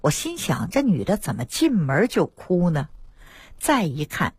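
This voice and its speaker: A woman doctor, telling lively anecdotes about patients on a radio talk show. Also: on the low side, measured pace, husky, dry recording, studio quality. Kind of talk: storytelling health talk on radio.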